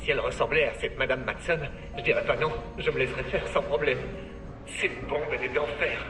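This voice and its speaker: A man's voice: medium pitch, a little fast, close to an everyday voice. Man acting a cocky teenage boy, echoey. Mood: cocky, amused. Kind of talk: dubbed TV thriller acting. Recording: roomy reverb, music underneath.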